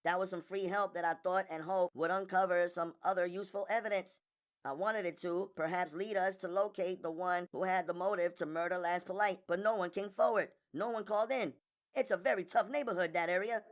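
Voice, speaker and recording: A woman's voice: on the low side, fairly even intonation, natural voice. A woman playing an intense, blunt, probing female defense attorney in an audiobook, speaking emphatically and insistently. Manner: emphatic, insistent, rapid-fire delivery. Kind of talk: audiobook character dialogue.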